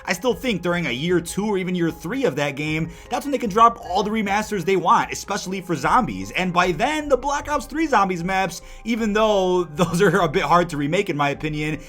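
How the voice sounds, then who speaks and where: A man's voice: high-pitched, expressive, fairly quick, hardly any pauses, a bit bright. A man giving casual, conversational video commentary to viewers as an enthusiastic gaming content creator. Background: music.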